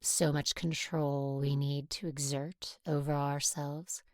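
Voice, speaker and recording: Woman playing a stern, brisk Catholic nun teacher. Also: low voice, little pitch movement, dry recording, studio quality. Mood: softly confiding. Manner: measured, formal, admonishing. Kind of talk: audio drama acting.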